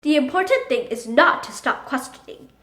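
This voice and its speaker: A woman reading a children's picture book aloud in an expressive, emphatic storytelling manner. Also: high-pitched, normal speed, roomy sound. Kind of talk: animated picture book read-aloud in character.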